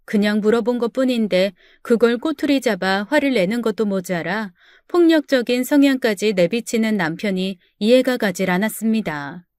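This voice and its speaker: Woman narrator, storytelling, confiding, higher voice. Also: animated, normal speed, darkish tone, no echo, studio quality. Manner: confiding, storytelling first-person account.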